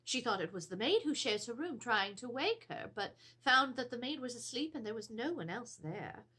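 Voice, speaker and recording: A high-voiced, genteel Edwardian lady played by an actress frets her way through a ghostly letter. Her delivery is theatrical and formal, with pitch swooping expressively through each phrase. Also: very animated, normal speed, bright, forceful tone, husky, heavily acted. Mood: fretful. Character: anxious, genteel Edwardian married lady reporting a haunting. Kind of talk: dramatic reading of a letter. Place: indoors, seated before a draped backdrop.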